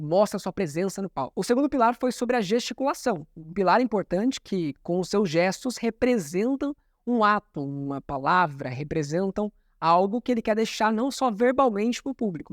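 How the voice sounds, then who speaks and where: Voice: mid-range voice, animated, normal speed, dry recording, clean studio sound. A communication coach, explaining a talk in didactic commentary and repeating key terms.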